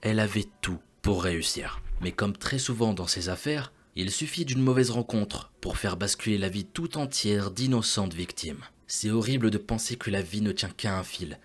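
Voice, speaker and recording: A man's voice: lowish voice, moderate pace, hardly any pauses, husky. A man narrating a true crime story for his channel, speaking straight to the viewer in a dramatic, brooding way. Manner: intimate, talks straight to the viewer. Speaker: YouTube narrator.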